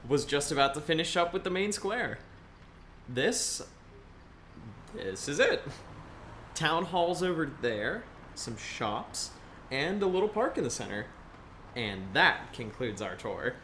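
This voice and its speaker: A man's voice: fairly high pitch, very animated, slow, long pauses, fairly bright tone, heavily acted. A man playing a friendly, teasing young small-town guide in an audio drama, with a breezy manner. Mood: playful. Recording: roomy, noisy ambient sound.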